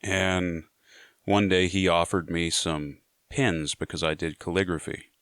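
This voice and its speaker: A man's voice: low voice, little pitch movement, unhurried, fairly bright tone, smooth, dry recording, studio quality. A man telling a prison story to his viewers in a casual, laid-back way, often saying "you know". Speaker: storyteller sharing prison stories.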